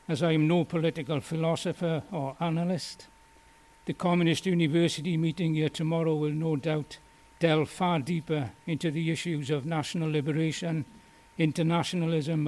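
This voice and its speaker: A man in his sixties, from Wales, reads out a prepared memorial lecture. His voice sits a little high for a man. He speaks in a measured, earnest and deliberate way. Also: a little mellow.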